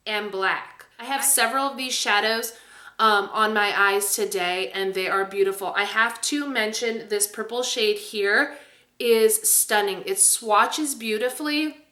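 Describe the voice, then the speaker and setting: Female beauty vlogger, bright and emphatic, chatty review delivery in an echoey room. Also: medium pitch. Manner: enthusiastic, emphatic. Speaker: beauty video host. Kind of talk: casual product review to camera.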